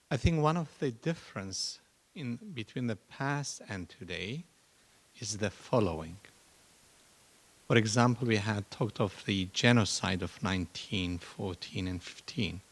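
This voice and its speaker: A man who is a church archbishop, giving measured, deliberate remarks at a symposium panel. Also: lowish voice. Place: university symposium hall.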